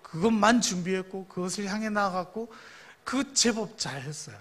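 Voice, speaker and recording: A man's voice: high voice, lively intonation, normal speed, fairly bright tone. A man in his thirties, a youth pastor, preaching a sermon in a storytelling way and asking the congregation questions.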